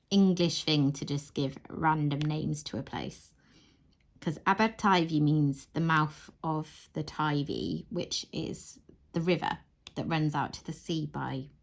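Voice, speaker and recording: A woman in her thirties chatting away as she crafts, rambling and laughing softly, often restarting her sentences. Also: low-pitched, vocal fry. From Wales. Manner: rambling, warm, frequent soft laughs and restarts. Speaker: crafting channel host. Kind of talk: chatty monologue while crafting.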